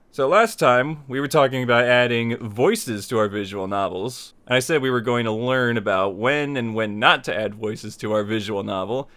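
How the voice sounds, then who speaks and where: A man with a smooth, clean voice at an ordinary male pitch hosts a tutorial. He talks informally to his viewers, circling back to restate points as he explains. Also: fairly bright tone. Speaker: host of a tutorial series on making visual novels. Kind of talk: casual scripted-outline tutorial talk to viewers.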